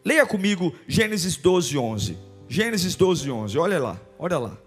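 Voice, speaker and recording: Impassioned high-voiced Brazilian preacher. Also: male voice, very animated, a little slow, husky, faint music behind. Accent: Brazilian Portuguese. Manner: impassioned, repetitive rhetorical declarations. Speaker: pastor. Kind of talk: sermon. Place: church.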